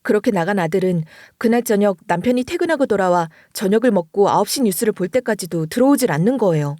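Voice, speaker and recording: A woman's voice: mid-range voice, animated, quick pace, warm tone, no echo, clean studio sound. A middle-aged woman narrating a dramatic audio story in an emotional way, rising into heated scolding.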